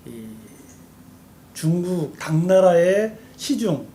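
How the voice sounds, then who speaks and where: A man guesting on a live-streamed talk show speaks with a fairly high voice and animated, storytelling energy as he walks through history at length. A faint hiss of background noise sits under the stream. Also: very slow. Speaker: campaign spokesman.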